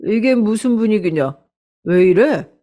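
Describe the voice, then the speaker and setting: A woman's voice: mid-range voice, expressive, measured pace, dark tone, lightly acted. A woman voicing an elderly father who scolds bluntly and fires off worried questions in a radio story. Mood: scolding.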